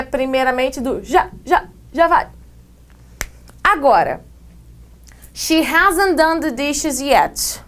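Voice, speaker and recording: A woman English teacher with a Brazilian Portuguese accent, giving a video grammar lesson with lively explanations and playful asides. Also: sits high.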